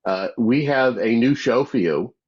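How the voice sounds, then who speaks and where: A man's voice: mid-range voice, expressive, a little slow, slightly rough. A man hosting a community cable talk show, introducing his guest in a conversational, filler-heavy way. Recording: dull lo-fi sound.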